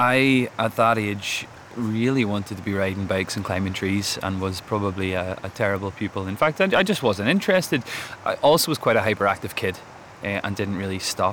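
A man talks at a fairly quick pace in a Northern Irish accent, his pitch fairly low with ordinary variation. Noticeable background noise sits behind him. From Northern Ireland. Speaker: folk musician, piper. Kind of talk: casual interview chat. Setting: outdoors by a river.

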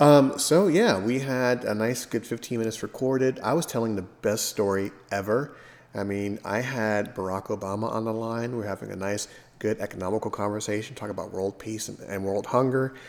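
With an ordinary speaking voice, a man at medium pitch talks at a fairly quick pace. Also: ordinary pitch variation. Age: 40s. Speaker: podcast co-host. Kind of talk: casual chat. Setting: online voice call.

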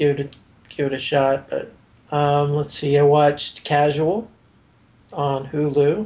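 In a normal speaking voice, the words arrive at a moderate pace. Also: man. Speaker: podcast co-host. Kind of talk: casual chat.

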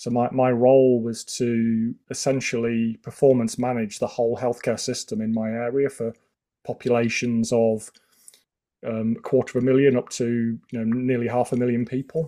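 Speaking at a moderate pace with a British accent, a man uses a flat, monotone intonation and a dark, mellow tone at a medium pitch. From UK. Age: 50s. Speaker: pharmacist. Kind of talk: interview. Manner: halting, frequent repetitions.

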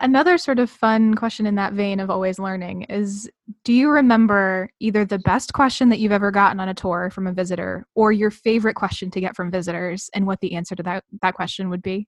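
Spoken at a very fast pace, the voice sounds dry and close with no echo over a quiet background. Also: woman, medium pitch for a woman. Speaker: podcast host. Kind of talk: casual interview. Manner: animated.

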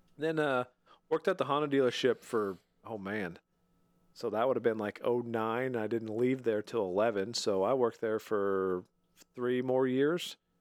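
With an American accent, a man speaks at a moderate pace in an ordinary speaking voice with ordinary pitch variation, on a very clean recording with a silent background. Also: medium pitch for a man. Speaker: powersports shop owner and mechanic. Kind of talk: casual chat.

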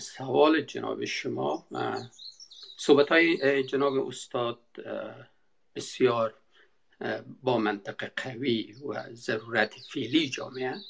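Pausing long and often, a man speaks at a very slow pace with big swings in loudness. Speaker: political movement spokesperson. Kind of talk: panel discussion. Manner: formal.

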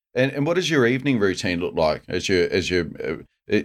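Speaking with an Australian accent, a man uses lively intonation at a moderate pace. The recording is very clean, the background silent. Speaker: podcast co-host. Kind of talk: interview.

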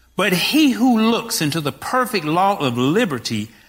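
A man's pitch swings very widely. Music plays behind his voice. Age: 60s. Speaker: preacher. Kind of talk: sermon.

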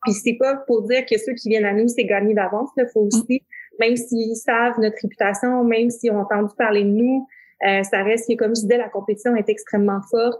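Her pitch is fairly high and her intonation monotone and flat. This woman speaks at a fairly quick pace. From Quebec, Estrie. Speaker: communications agency founder. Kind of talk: interview.

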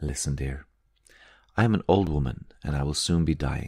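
Putting on a character voice, a soft-spoken man talks at a moderate pace with an extremely low pitch, ordinary pitch variation, vocal fry, a slightly husky edge and a slightly mellow tone, in a very clean recording with a silent background.

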